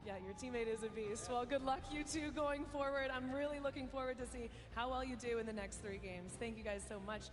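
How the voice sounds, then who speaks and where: A woman's voice: a little high, a little fast, few pauses. A woman interviewing the winning players down on the arena floor, in a bubbly, upbeat way. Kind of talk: post-game player interview. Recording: arena reverb with music.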